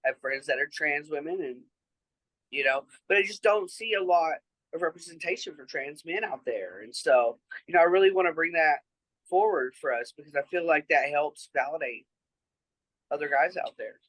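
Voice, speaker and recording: Earnest, bright-voiced trans man. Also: a little high, expressive, moderate pace, no echo, rough recording. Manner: earnest, reflective, with frequent fillers. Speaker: interview guest. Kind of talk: casual conversational interview.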